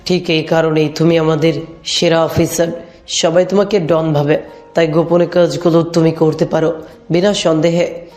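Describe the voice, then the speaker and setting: A man's voice: a little high, flat delivery, normal speed, darkish tone, natural voice. Man acting a senior police boss, authoritative. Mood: approving, serious. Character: senior police officer, approving, protective boss. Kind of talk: dramatized audio love story. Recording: music under the voice.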